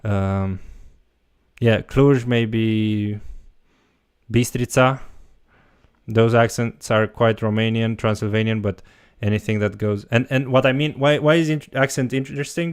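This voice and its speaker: A man's voice: medium pitch, darkish tone, clean tone, no room sound, studio quality. A man teaching a language, answering viewer questions in a casual livestream and thinking aloud as he goes. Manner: loose, talks while thinking aloud.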